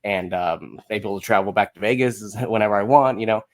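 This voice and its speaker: A man chatting casually as an interview guest, telling his story in a candid, animated, self-deprecating way. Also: on the low side, fairly quick. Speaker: podcast guest, musical writer.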